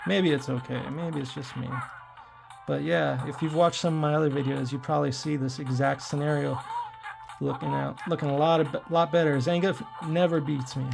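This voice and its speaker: A man in his forties talks his way through a handheld game session, addressing viewers in loose, rambling asides. His voice is worn and hoarse, deeply gravelly and raspy, and sits a touch higher than most men's. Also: steady tone, normal speed, over music. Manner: rambling, chatty, talks to viewers while playing. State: hoarse from throat trouble. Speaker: tech reviewer playing retro games. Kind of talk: casual gameplay commentary.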